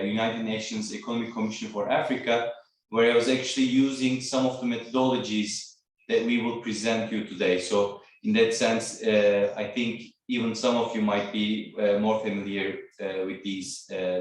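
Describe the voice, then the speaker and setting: A man from Turkey giving an online training presentation as trainer, talking hesitantly with many fillers. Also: fairly low pitch. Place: video call. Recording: echoey room, far from mic.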